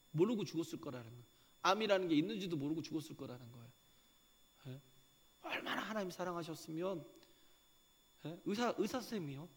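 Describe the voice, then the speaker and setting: A middle-aged man preaching in a church, his voice high-pitched and a little husky. He swings from quiet storytelling to emphatic bursts and keeps throwing questions at the congregation. There is a long church-hall reverb on the voice. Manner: animated preaching with rhetorical questions and frequent "예?". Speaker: pastor. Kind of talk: sermon. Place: church sanctuary.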